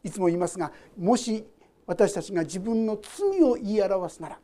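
A woman's voice: medium pitch, lively intonation, moderate pace, warm tone. A woman pastor preaching a sermon. She reads scripture aloud, explains it, and talks to the congregation directly with questions.

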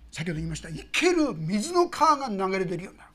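A woman pastor preaching a sermon, telling the story with lively swings between loud exclamations and hushed asides. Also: mid-range voice, quick pace.

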